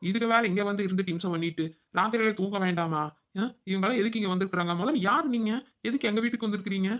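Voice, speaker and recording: A woman voicing a bold, sharp-tongued young village wife, in a cartoon. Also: medium pitch, rapid-fire, natural voice. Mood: indignant. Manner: scolding, sassy. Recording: dull lo-fi audio.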